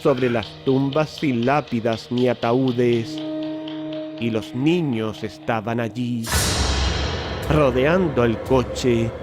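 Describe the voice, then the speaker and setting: A man's voice: mid-range voice, takes it slowly. A man reading scripted, dramatic horror narration as the narrator of an audio drama. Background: loud music.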